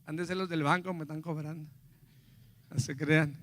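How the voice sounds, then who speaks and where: Bright-voiced older man preaching a testimony. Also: fairly high pitch, fairly even intonation, moderate pace, dry recording. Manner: storytelling with acted quotes, swings from quiet to loud. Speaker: pastor. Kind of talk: sermon testimony.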